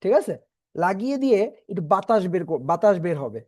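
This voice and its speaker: A man teaching Quran reading in an online class, patiently explaining and slowly repeating letter sounds for his students. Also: high voice, sing-song, a little mellow.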